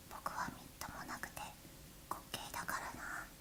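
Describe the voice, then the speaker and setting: A very slow whisper with noticeable noise behind it. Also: woman. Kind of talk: children's story reading. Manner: whispered.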